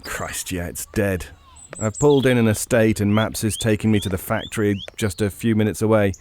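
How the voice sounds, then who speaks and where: A man's voice: lowish voice, moderate pace, darkish tone, a little hiss or hum, close to an everyday voice. An actor playing a chatty English male podcast investigator in a naturalistic audio drama, casual and slightly hesitant. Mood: wry.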